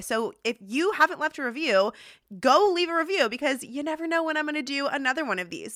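A woman's raised, projected voice, animated and bright with a sharp tone, in a very clean recording with a silent background. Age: 30s. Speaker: productivity podcast host. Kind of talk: casual solo podcast monologue.

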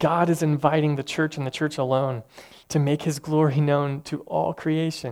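In a very clean recording with a silent background, a man with an American accent speaks at a moderate pace in a fairly high, monotone voice with flat intonation. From Tennessee. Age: young. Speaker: pastor. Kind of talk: sermon.

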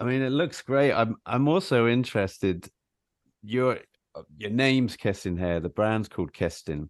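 Here is a normal speaking voice with lively intonation at a moderate pace. The sound is dry and close, with no echo. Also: man, medium pitch for a man, quiet background. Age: 40s. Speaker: podcast host. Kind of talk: interview. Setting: call.

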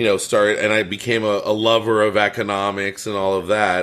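With an American accent, a man speaks in an ordinary speaking voice at a moderate pace, his fairly low pitch held to fairly even intonation. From South Florida. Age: 40s. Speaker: podcast host. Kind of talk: interview.

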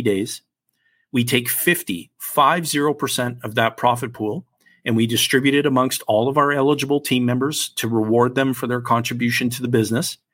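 A man with a Canadian accent, a plain, everyday voice, ordinary pitch variation and a fairly quick pace. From Canada, Timmins, northern Ontario. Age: 40s. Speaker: entrepreneur. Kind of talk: podcast interview.

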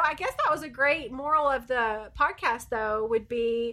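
A woman with a Southern US accent projects her raised voice at a high pitch and moderate pace. Her pitch varies in an ordinary way, and there is noticeable background noise. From US South, Alabama. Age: 30s. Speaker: podcast co-host. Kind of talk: casual chat.

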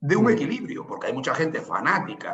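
A man speaks in a high-pitched voice. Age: 50s. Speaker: company director. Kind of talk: interview.

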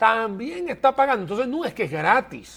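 Talking at a fairly quick pace, a man has an extremely high-pitched voice. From Venezuela. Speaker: talk show host, finance commentator. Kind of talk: casual chat. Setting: Facebook Live stream.

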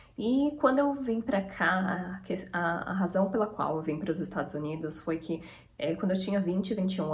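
The speaker has a São Paulo accent and lively intonation. Background noise is noticeable. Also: woman. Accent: Brazilian Portuguese, São Paulo (paulistano). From Brazil, São Paulo area (Mauá). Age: 30s. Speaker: YouTuber. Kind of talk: personal vlog monologue.

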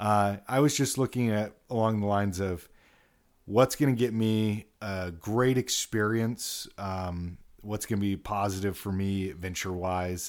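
A man with an American accent speaks at a fairly slow pace in a fairly low pitch, with ordinary pitch variation. It is a normal speaking voice, in a very clean recording with a silent background. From US West (California, Utah). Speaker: retired special forces soldier. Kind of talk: casual chat.

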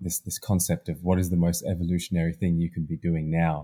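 Somewhat breathy, a man's voice comes through on a very clean recording with a silent background. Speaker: podcast host interviewing. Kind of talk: casual interview.

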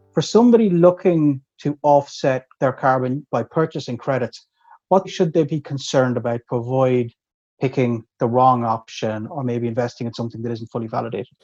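A man's dark, mellow tone at a fairly quick pace, with ordinary pitch variation and a dry, close sound with no echo. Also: medium pitch for a man. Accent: Irish. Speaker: podcast co-host. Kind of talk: casual chat.

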